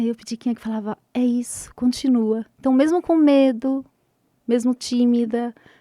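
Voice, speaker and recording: In a dry, close recording with no echo, a woman speaks at a high pitch with a dark, mellow tone and fairly even intonation. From small town in inland Brazil. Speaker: integrative therapist. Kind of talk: interview, personal testimony.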